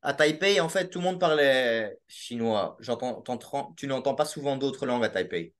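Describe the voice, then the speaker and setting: A man's voice: mid-range voice, lively intonation, moderate pace, a bit bright. Hesitant young Belgian man on a video call. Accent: Belgian French. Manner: hesitant, with many restarts and fillers. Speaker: podcast guest. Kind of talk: casual interview over video call. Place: small home room with a sloped ceiling. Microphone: laptop webcam mic on a video call.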